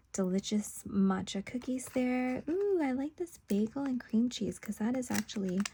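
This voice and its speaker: A woman's voice: mid-range voice, vocal fry, mellow, a little hiss or hum. A woman casually talking through what she is doing as a craft video host, trailing off into murmurs as she concentrates. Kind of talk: casual plan-with-me chat, narrating while working.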